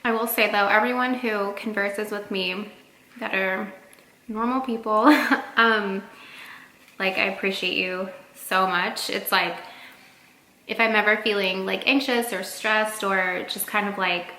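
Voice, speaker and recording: A woman's voice: medium pitch, fairly even intonation, measured pace, sharp tone. A woman in her thirties talking casually to camera as a vlogger, chatty with lots of fillers, eating while she talks. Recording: echoey room with faint noise.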